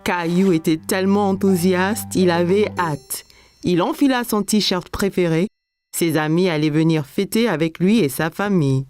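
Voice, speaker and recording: A woman's voice: on the low side, moderate pace, a little mellow, no echo, soft background music. A woman narrator reading scripted story narration for a French children's cartoon.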